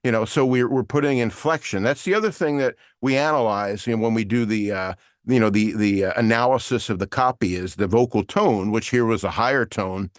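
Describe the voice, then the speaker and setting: A man's voice: fairly low pitch, a little fast, dry recording, studio quality. A man teaching an online voiceover lesson with screen share, explaining in a casual way with many fillers. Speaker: voiceover coach.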